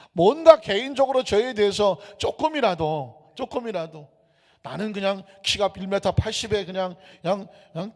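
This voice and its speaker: A male pastor preaching a sermon, animated and joking, slipping into regional dialects now and then. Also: high voice. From Gyeonggi Province, raised in Seoul. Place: church sanctuary. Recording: echoey church hall.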